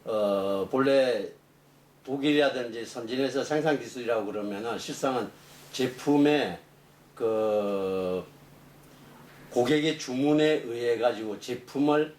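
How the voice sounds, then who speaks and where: A middle-aged man, a professor being interviewed, explaining technical matters off the cuff in a halting way. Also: medium pitch, a little mellow. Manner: halting, explanatory, rephrasing as he goes. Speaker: engineering professor, interview guest. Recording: echoey room, distant mic, faint noise.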